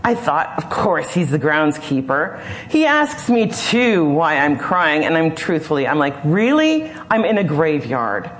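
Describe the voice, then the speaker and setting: A woman voicing an awestruck woman disciple who excitedly retells her story. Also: sits low, unhurried, few pauses. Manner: excited, incredulous, animated storytelling.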